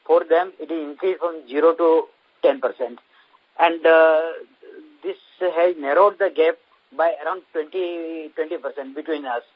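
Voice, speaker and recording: A man with an Indian accent, a company executive, giving a halting explanation on an investor conference call. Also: fairly high pitch. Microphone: conference call phone line. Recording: dull, lo-fi conference phone line.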